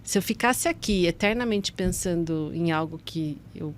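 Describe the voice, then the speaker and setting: A woman's voice: fairly low pitch, normal speed, a little hiss or hum. A woman in her fifties from Brazil, a guest chatting casually in an interview and often checking in with her listener. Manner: chatty, laughs often, many fillers like "entendeu?".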